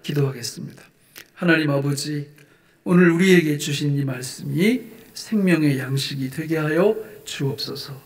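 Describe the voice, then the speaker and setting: A male pastor delivers an animated sermon in a fairly high voice. He asks his listeners questions and answers them himself. He moves between loud, rising exclamations and quiet, hushed asides. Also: normal speed.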